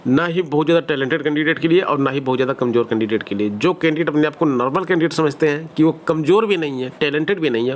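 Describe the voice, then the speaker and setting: A man's voice: mid-range voice, a little hiss or hum. A man with a Hindi accent giving exam-preparation advice to students in a direct, conversational teaching style with everyday examples. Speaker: online exam-prep teacher.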